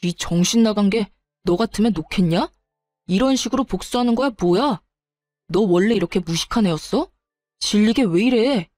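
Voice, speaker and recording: A woman's voice: medium pitch, lively intonation, a little mellow, no echo, soft background music, lightly acted. A woman voicing a defensive, irritated young man who answers back sulkily and blames his partner. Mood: angry. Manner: sulky, blaming, slows down when annoyed.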